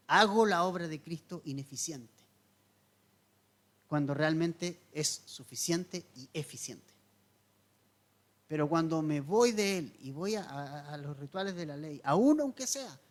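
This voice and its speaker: In a somewhat high voice, a pastor delivers an earnest, teaching-style sermon, moving verse by verse, quizzing his congregation and repeating the important points.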